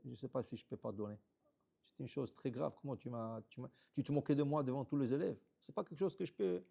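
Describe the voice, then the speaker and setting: A man voicing a wounded elderly rabbi who is slow to forgive, speaking quietly, gravely and hesitantly as he tells a story in a sermon. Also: mid-range voice, pitched below the performer's own voice. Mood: hurt.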